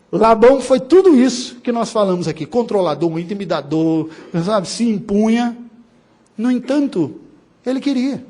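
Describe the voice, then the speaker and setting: Speaking in a strikingly high-pitched voice, this pastor from Brazil preaches an expository sermon at an even pace, hammering his points with emphasis. Ironic remarks and quick little laughs are woven throughout.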